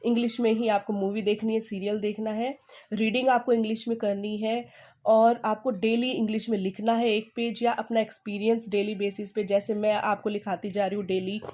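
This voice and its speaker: In a Hindi-English language lesson, an Indian-accented woman explains English in Hindi with lots of repetition and frequent "okay?" check-ins. Her medium-pitched, mellow voice shows little pitch movement, slowing into stressed dictation for English sentences.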